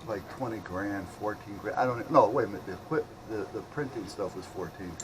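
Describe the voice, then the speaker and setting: Showing off his repair work in an unscripted video, an electronics hobbyist who is middle-aged or older rambles and thinks aloud in a casual way. He talks fairly quickly in a fairly low voice, over background noise.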